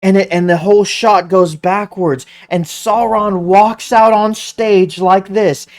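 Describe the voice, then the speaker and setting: An online commentator giving excited, casual commentary, stumbling over and restarting words, and humming tunes aloud. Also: mid-range voice, takes it slowly. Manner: animated, hums music aloud.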